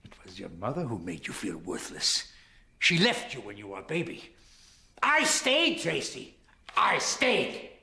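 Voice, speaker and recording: Cold stern rich father, older, gravelly and sharp. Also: fairly low pitch, very animated, normal speed, full character voice. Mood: furious. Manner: clipped, controlled, then bursting out.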